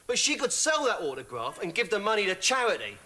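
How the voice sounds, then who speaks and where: A man performing in a sketch comedy, with a dry, deadpan delivery that can grow into an indignant rant. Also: sits high, quick pace.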